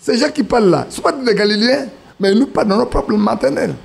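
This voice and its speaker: Male preacher, high-pitched, sermon storyteller. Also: rapid-fire, vocal fry, husky. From Ivory Coast. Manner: storytelling with acted quotes, restarts.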